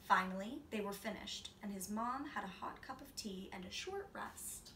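A woman's voice: mid-range voice, moderate pace, far from the mic. A woman in her twenties reading a children's picture book aloud expressively in a small room, a few feet from the camera. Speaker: storybook reader. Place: small indoor room, seated. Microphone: camera a few feet away. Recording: roomy, off-mic, faint noise.

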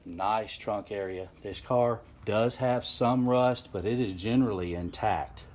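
A man's voice: on the low side, unhurried, darkish tone. A man, the channel's host, walks around a car in an old barn, explaining its details plainly and methodically while filming on a phone. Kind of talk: walkaround narration while filming. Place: old open barn, indoors and out. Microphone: handheld phone camera.

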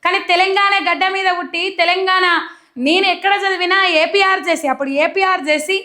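A woman's voice: very high voice, steady tone, brisk, sharp tone. A young woman from Telangana with a Telangana Telugu accent, giving earnest, emphatic political commentary straight to camera. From Telangana, India.

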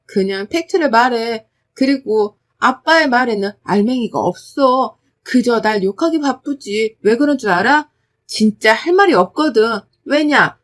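Woman voicing a defiant outspoken daughter. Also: high voice. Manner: sharp, defiant, talks back. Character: bold outspoken teenage daughter.

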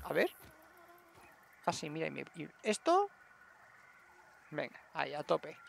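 A young man giving excitable let's-play commentary and talking to his viewers. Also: on the high side, unhurried, gravelly, slight background noise. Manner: excitable, talks to viewers as "gente". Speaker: gaming streamer.

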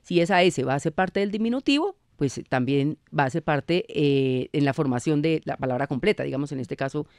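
A woman's voice: low-pitched, expressive, a little fast, few pauses, a little mellow, dry recording. A Colombian woman explaining spelling rules patiently as a guest on a radio show, speaking in a studio. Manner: patient, didactic, laughs easily.

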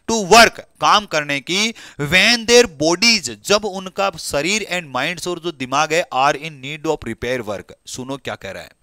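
A male teacher runs a live online class, coaxing students along and calling on them by name. His voice sits high with a very bright, sharp edge. The sound is close and dry, with no room around it. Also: dry recording. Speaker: English exam teacher.

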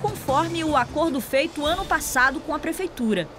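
High-pitched woman reporter reading voice-over. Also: lively intonation. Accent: Brazilian Portuguese, Amazonas. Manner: measured, informative delivery. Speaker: news reporter. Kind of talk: scripted news voice-over. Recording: voice-over with background music.

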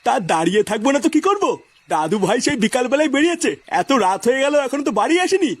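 A man's voice: very high voice, sing-song, very fast. A man voicing a grumbling, scolding old village grandfather in an amateur comedy cartoon. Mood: exasperated worry. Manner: scolding, exasperated.

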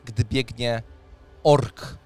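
A man's voice: medium pitch, fairly even intonation, extremely slow, darkish tone, smooth. A man in his thirties narrating a tabletop fantasy game as game master, in a descriptive, dramatic storytelling manner. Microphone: close microphone on a boom arm, headset on. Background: music.

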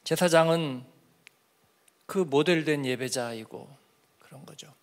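A man's voice: fairly high pitch, slow. A man preaching an early-morning church sermon in a conversational way, asking the congregation questions and acting out little everyday exchanges. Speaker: pastor.

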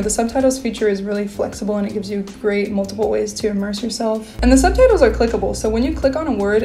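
Chatty young woman with a mellow voice. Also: mid-range voice. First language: English. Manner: chatty, lots of fillers, animated hand gestures. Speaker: vlogger. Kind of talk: casual talking-head vlog. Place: small bedroom, indoors.

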